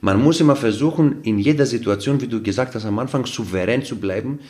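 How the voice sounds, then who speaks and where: A man with a medium-pitched, darkish voice talks fast as a podcast guest, casually explaining ideas through everyday examples. English isn't his native language, German isn't his first, and his earnest delivery is peppered with fillers and restarts.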